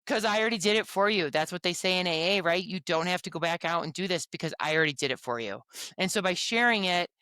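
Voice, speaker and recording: A woman guest on a podcast, telling her own story in a frank, expressive way. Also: lowish voice, quick pace, clear, resonant tone, no echo. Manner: frank, expressive, lively retelling. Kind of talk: candid personal storytelling.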